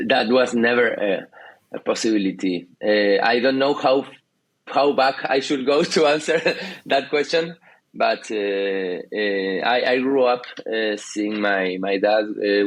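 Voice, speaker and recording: Argentine man, 30s, interview guest, lowish voice, dry close sound, halting delivery with fillers. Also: no echo. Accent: Argentine Spanish. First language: Spanish. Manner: hesitant, many fillers and restarts. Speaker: guest entrepreneur. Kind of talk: casual interview talk.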